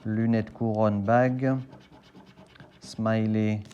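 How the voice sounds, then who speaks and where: A man's voice: fairly low pitch, flat delivery, extremely slow, dark tone, muffled recording, slight background noise. A man casually thinking aloud and spelling out letters as he scratches lottery tickets for a video.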